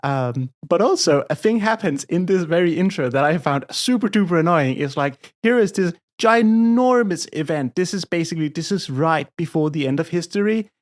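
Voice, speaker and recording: A woman co-hosting a comedy podcast, talking through a film in a rambling, irreverent way with quick asides. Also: fairly low pitch, expressive. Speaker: podcast co-host. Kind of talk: casual comedic chat about a film.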